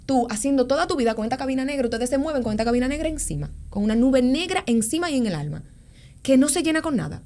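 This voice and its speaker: A woman in her 40s with a fairly high voice appears as a podcast guest, talking fast as she shares her faith story in a casual chat. She's slangy and animated and keeps repeating words as she goes.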